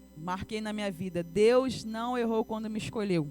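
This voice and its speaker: Over music in the background, a woman talks at a moderate pace with a fairly high pitch and ordinary pitch variation. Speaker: preacher. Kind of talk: sermon. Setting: church livestream.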